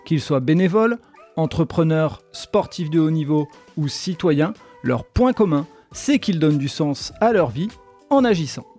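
A French man hosting a podcast, with a mellow tone and a slightly high voice. He introduces his guest in a scripted way, then talks casually with fillers, over faint music. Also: lively intonation, unhurried. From northern France. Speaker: podcast host. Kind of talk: podcast interview.

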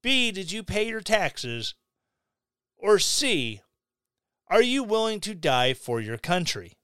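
A man's voice: high voice, big pitch swings, slow pace, sharp tone, clear, resonant tone, no echo, clean studio sound. A man from Missouri hosting a podcast, delivering a blunt opinionated rant with sarcastic asides. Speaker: podcast host. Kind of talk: opinionated monologue.

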